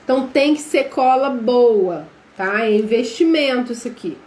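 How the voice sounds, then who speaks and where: A woman's voice: on the high side, animated, moderate pace, darkish tone. Chatty Brazilian woman teaching live. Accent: Brazilian Portuguese. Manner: chatty, addresses viewers as gente, quizzes them. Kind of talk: live online craft class. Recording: echoey room with faint background noise.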